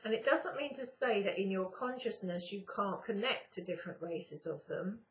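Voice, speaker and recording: A middle-aged spiritual channeler and YouTuber with a croaky morning voice of medium pitch sits on her sofa at home, speaking slowly to her webcam in a casual spiritual monologue full of drawn-out pauses. The close-range webcam audio sounds slightly dull.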